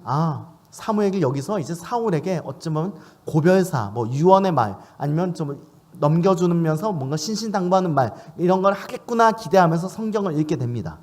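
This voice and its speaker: A man's voice: high voice, a little mellow. A man preaching a sermon in church, asking questions of his listeners as he speaks. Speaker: pastor.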